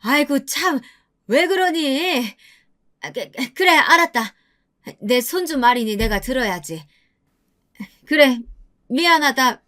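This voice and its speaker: A woman playing a harsh, domineering grandmother in her seventies who barks scornful orders at her daughter-in-law. Her voice sits high and jumps sharply on every reproach in this storybook tale. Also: fairly bright tone, exaggerated voice. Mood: grudging. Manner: scolding, contemptuous.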